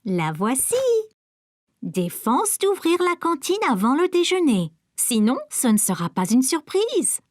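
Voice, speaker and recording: A woman's voice: high voice, big pitch swings, unhurried, a little mellow, dry recording, heavily acted. A woman playing a caring, encouraging young mother in a French-dubbed children's cartoon, with music behind. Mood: proud, playful. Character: caring, gentle young mother of a preschool boy.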